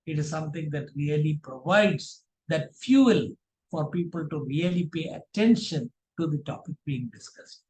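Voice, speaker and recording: A man with a fairly high voice delivers a workshop talk as a speaking coach. His delivery is measured and didactic, with deliberate emphasis on his key points. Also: darkish tone, poor audio. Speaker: public speaking trainer. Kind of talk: prepared workshop presentation.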